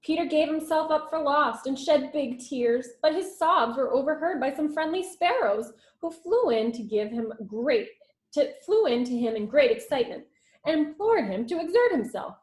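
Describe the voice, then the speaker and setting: Female schoolteacher for a children's read-aloud: fairly high, animated, expressive, with chatty asides. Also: moderate pace. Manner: expressive, with asides about the pictures. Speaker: schoolteacher reading to her class.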